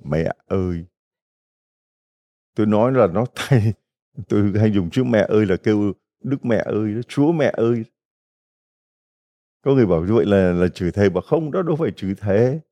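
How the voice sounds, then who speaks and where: A man's voice: on the low side, expressive, a little fast, dark tone. A middle-aged man, a Catholic priest, giving a folksy retreat homily full of stories and rhetorical questions to the congregation.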